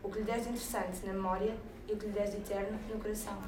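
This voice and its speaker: A woman reads a gentle, reflective text in a tender, deliberate way, at a quick pace. She is distant from the microphone in a reverberant room. Background noise carries underneath. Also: medium pitch, little pitch movement. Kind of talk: reading a reflective text aloud. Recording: echoey room, distant mic, noisy.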